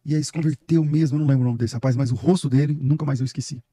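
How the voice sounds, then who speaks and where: Middle-aged Brazilian pastor as guest, quick and emphatic, warm husky tone. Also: male voice, medium pitch, steady tone, dry recording. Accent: Brazilian Portuguese. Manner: emphatic, storytelling, preacher-like. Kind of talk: casual podcast conversation.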